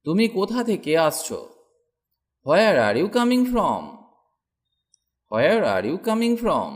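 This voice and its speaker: A male English teacher runs a slow drill, reading each English sentence twice, slowly, after the Bengali one. His pitch rises and falls in a lively way.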